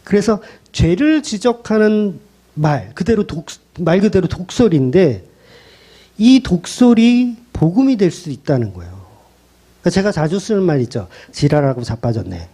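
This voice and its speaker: A man's voice: high-pitched, sing-song, normal speed, dark tone. A male pastor preaching a sermon in a blunt, colloquial way, pressing the congregation with rhetorical questions.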